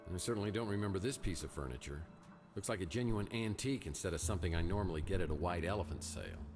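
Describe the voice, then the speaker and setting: A down-on-his-luck private eye from a detective game. The voice sits low but moves around expressively, with dry self-mockery as he narrates what he sees. Faint music plays behind him. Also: quick pace. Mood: wry musing. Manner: deadpan, self-deprecating. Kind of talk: film noir detective game voice acting.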